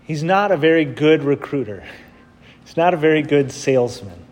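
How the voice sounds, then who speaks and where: A man's voice: fairly high pitch, animated, normal speed, a little mellow, lo-fi sound. A man serving as priest, reading the gospel and then preaching a homily in a plain, conversational way, heard in a church with a cathedral echo. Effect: cathedral echo, long church reverb. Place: large church. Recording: long reverb of a big church.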